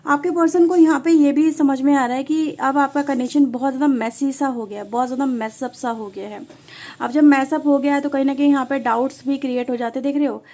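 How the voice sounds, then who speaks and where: A woman gives a tarot reading in a relaxed, conversational way, often speaking straight to her viewers. Her voice sits high but sounds mellow and soft rather than bright. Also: brisk. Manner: conversational, mixes English words, addresses viewers often. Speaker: tarot reader.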